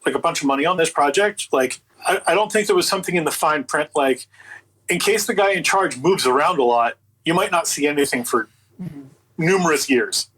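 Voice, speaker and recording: A man's voice: a little high, a little fast, breathy edge, rough recording. A man telling a story casually as an interview guest, incredulous and sardonic, acting out the conversations he quotes. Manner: animated retelling with acted-out quotes, incredulous and sardonic. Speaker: interview guest, audio book producer.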